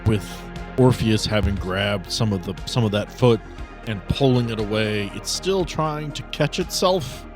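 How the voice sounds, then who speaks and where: A man acting as game master, narrating a tabletop role-playing game in descriptive, deliberate detail. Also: fairly low pitch, over music.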